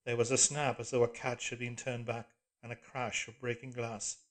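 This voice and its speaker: A man with a mid-pitched voice reads literary fiction aloud. His delivery is scripted, measured and solemn, as an audiobook narrator. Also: level tone.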